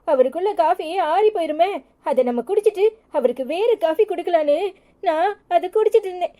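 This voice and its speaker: A sulky young village woman from a cartoon pleads in a Tirunelveli Tamil accent. Her voice is very high yet soft and mellow. She sounds self-pitying.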